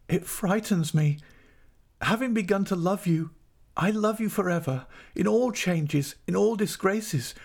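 A man's voice: a little high, warm tone, slightly rough, voice pushed up. A man voicing a desperate, pleading young wife, devoted and frightened, in a dramatic audiobook reading. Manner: imploring, emotional.

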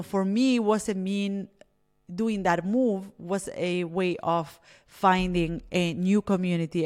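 A woman in her thirties from Argentina talks through her solo podcast episode. Her voice sits a little low. She speaks in a reflective, unhurried way, often pausing on fillers and restarting her phrases. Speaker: podcast host.

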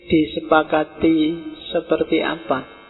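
A middle-aged man giving a relaxed, conversational philosophy lecture to students and slipping into Javanese words. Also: a little high, measured pace, gravelly, slightly rough, soft background music. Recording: tinny phone-like audio in a reverberant hall.

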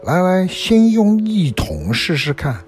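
Man voicing a bossy white rabbit, storybook reading, shrill hurried orders, very high, swooping. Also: very animated, a little mellow, soft background music.

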